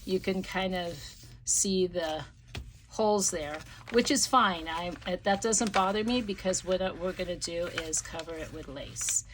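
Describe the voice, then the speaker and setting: Hoarse woman chatting through a craft tutorial. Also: fairly low pitch, a little slow, noisy background. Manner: rambling, many ums and restarts. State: losing her voice, slight cough. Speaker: craft channel host.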